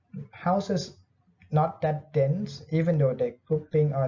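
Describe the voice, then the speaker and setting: Somewhat breathy and dark and mellow in tone, a man speaks fairly slowly at a fairly high pitch with ordinary pitch variation. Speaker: teacher. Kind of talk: online lecture. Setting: recorded online class alone.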